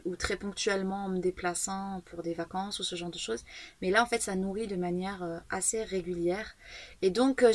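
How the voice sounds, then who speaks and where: A woman in her thirties, an author talking through her writing in a casual, reflective monologue, pausing often with fillers and restarts. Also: medium pitch, no room sound. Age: 30s. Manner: thoughtful, hesitant, many fillers and restarts. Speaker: author and video blogger.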